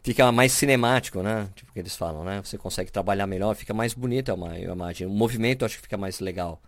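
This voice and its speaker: Talking very fast in a lowish voice with no echo, a Brazilian podcast co-host chats casually about camera settings. His explanations are peppered with fillers and frequent restarts.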